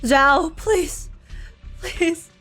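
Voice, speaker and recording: A woman's voice: very high-pitched, very slow, bright, forceful tone. A woman streamer reacting live to a video game with emphatic, sweary, informal commentary. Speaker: gaming streamer. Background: game music.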